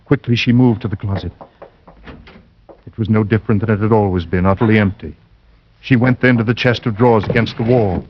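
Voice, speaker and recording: A man narrating a 1940s radio suspense drama in a measured, suspenseful way. Dull vintage radio recording. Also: on the low side, fairly even intonation, noisy background.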